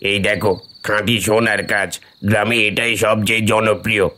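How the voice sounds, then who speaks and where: Guy doing cartoon village jewelry seller, low bright even voice, friendly sales patter. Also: moderate pace. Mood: friendly selling. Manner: persuasive, familiar. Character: friendly village jeweller pitching his wares. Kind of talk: Bengali moral-tale cartoon dialogue.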